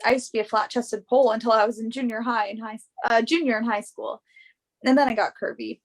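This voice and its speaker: Young female model, acted by a woman, play reading: highish voice, earnest, self-assured, assertive. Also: steady tone, fast, lightly acted. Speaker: actor in a virtual staged reading.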